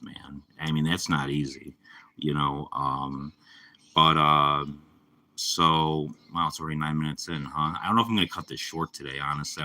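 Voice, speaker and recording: A young man with a slightly raspy voice from a cold, chatting casually and rambling on a live stream. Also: a bass voice, pushed and bright. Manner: rambling, laid-back, lots of fillers. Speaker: livestreamer.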